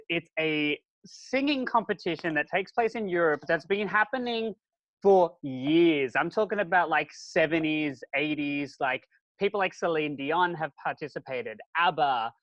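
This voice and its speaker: A man's voice: on the high side, a bit bright, dry recording, highs cut off. A man co-hosting a podcast in casual chat, upbeat and enthusiastic. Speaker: podcast co-host.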